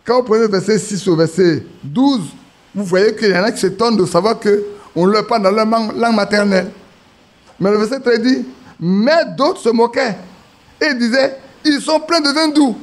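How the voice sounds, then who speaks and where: A man's voice: sits high, moderate pace. A man preaching a sermon, telling stories and acting out quotes. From Ivory Coast. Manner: storytelling with acted quotes, restarts.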